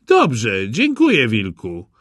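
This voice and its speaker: A man voicing an innocent, trusting little girl in a red hood, in a high, sweet storybook voice. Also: huge pitch swings, takes it slowly, slightly rough, no echo, studio quality, exaggerated voice. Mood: cheerful.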